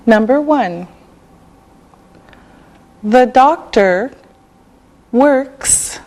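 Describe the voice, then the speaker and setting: A middle-aged woman teacher from Canada leads an English lesson at a very slow, deliberate pace. Her voice sits a little high. She spells out each word with great care. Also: expressive, darkish tone. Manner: slow, carefully enunciated. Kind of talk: scripted language lesson.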